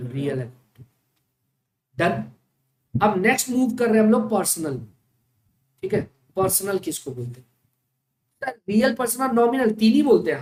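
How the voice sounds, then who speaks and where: A woman teaching an accounting class in speech, often asking the class check questions and slowing down to spell out key terms. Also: mid-range voice. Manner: stretches out key terms slowly, as if for dictation. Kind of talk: classroom lecture. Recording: echoey classroom with faint noise.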